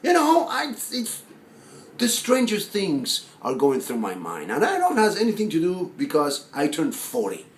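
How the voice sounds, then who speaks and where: A man acts out a neurotic man of forty in a dramatic monologue. He is self-deprecating and lovelorn, stumbling and rambling through his thoughts with a very animated pitch. The room is echoey, with faint noise behind him. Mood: loud, nervy. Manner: halting, rambling, full of fillers and restarts. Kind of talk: dramatic film monologue acting. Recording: roomy echo with faint background noise.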